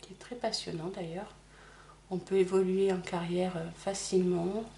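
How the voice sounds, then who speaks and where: A woman's voice: on the low side, steady tone, normal speed, warm tone, a little hiss or hum. Chatty middle-aged woman doing makeup. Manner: chatty, apologetic, talks while applying makeup. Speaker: makeup vlogger. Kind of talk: casual makeup tutorial chat.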